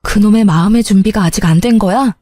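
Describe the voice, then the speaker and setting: A woman's voice: mid-range voice, quick pace, dark tone, no room sound, faint music behind, natural voice. A woman voicing an irritable young husband who brushes things off and scolds. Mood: scolding. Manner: curt and scolding, then sheepish.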